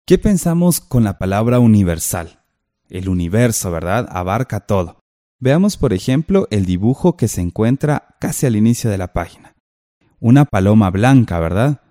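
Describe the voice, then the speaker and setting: A man's voice: on the low side, big pitch swings, moderate pace, dark tone, no echo, studio quality. A man co-teaching a textbook lesson, explaining step by step and posing questions to the listener.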